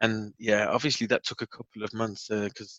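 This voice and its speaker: A man's fairly low voice with a Birmingham accent, very fast, in a dry, close sound with no echo. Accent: Birmingham (Brummie) English. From Birmingham, England (Handsworth). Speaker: expat in Germany. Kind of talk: casual chat.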